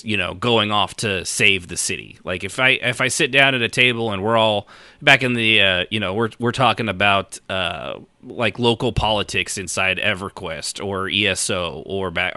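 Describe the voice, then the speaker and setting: A man's voice: lowish voice, no room sound. A man chatting casually and giving his opinions as a podcast co-host, slipping into mock quotes as he goes. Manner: animated, quoting others in mock voices.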